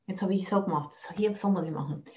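An Austrian Buddhist nun gives a dharma talk over a video call, thoughtful and searching for words while mixing in English phrases. Her voice is lowish, fast and a little mellow, and the audio sounds dull.

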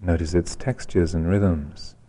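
Calm and gentle, a man with a low voice teaches a guided meditation unhurriedly, pausing for a long time between phrases.

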